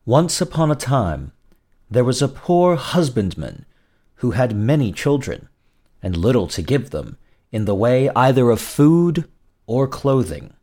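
A man narrating as a storyteller in a gothic, theatrical fairy-tale style, with dramatic, deliberate phrasing. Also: mid-range voice. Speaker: storyteller, host.

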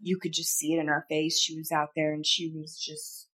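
A woman's voice: low voice, completely flat delivery, moderate pace, a bit bright. A woman in her thirties talking through a personal worry in casual podcast chat, earnest and rambling, with many fillers and restarts. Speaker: podcast co-host. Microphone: studio podcast mic.

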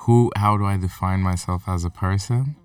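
A young man from Uganda and Sweden, a musician guest talking casually with many fillers and pauses. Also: low-pitched, clean tone, no echo, clean studio sound, far from the mic. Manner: relaxed, hesitant, lots of fillers. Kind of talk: casual interview chat.

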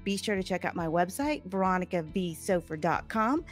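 A woman's voice: lowish voice, animated, normal speed, faint music behind. A woman hosting a podcast, with an enthusiastic, promotional way of introducing the show and her guest. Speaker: podcast host. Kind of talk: upbeat podcast interview.

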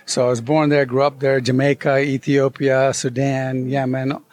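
Speaking at normal speed in a mid-range voice, a man appears as a guest author in a convention interview. He recounts a story with lots of animation, performing the quoted dialogue himself.

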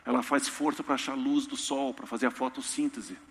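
A man preaching a sermon in a church, humorous and storytelling with lively asides. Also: medium pitch, a little fast. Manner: storytelling, humorous, animated impressions. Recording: reverberant church hall.

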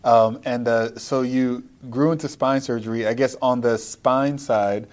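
A man's voice: mid-range voice, steady tone, measured pace, a little mellow. Eager man hosting a podcast. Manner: eager, with frequent filler words. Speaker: podcast host. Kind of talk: podcast interview. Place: live at a conference.

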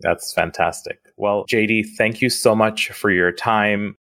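A man's voice: lowish voice, fairly even intonation, unhurried, a bit bright, no echo, studio quality. A man from Bangladesh hosting a podcast interview in a conversational style. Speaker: podcast host.

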